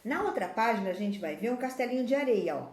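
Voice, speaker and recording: A woman teaches children in a patient, explanatory way, often pointing things out. Her voice is mellow and soft-edged. The sound is roomy and echoey. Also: a little high, expressive, fast talker. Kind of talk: classroom video lesson. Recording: echoey room.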